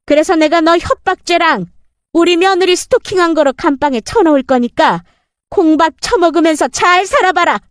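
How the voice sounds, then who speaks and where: A stern mother-in-law and former lawyer, voiced by a woman narrator, scolding in a cutting, measured way. Her voice sits lower than the storyteller's own, recorded close and dry. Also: no room sound. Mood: stern threatening.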